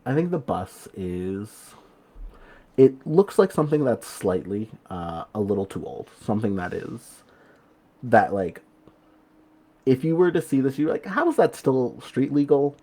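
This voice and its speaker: Husky, low-voiced male tabletop player. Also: very animated, unhurried, long pauses, dark tone. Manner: hesitant, informal, thinking aloud. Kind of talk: improvised game narration.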